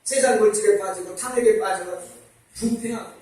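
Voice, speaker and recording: A man's voice: high-pitched, a little fast, a little mellow. A man preaching a sermon as a pastor, asking his congregation rhetorical questions and acting out scripture dialogue. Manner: acts out dialogue between God, Satan and Job. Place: church sanctuary. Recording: very echoey church from far off.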